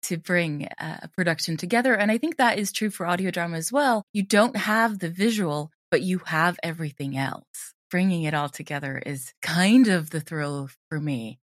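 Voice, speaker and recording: A woman's voice: lowish voice, normal speed, few pauses, no echo, studio quality. A woman from Sweden, chatting enthusiastically and casually as an interview guest. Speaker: interview guest, drama teacher and audio drama creator. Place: at home, remote interview.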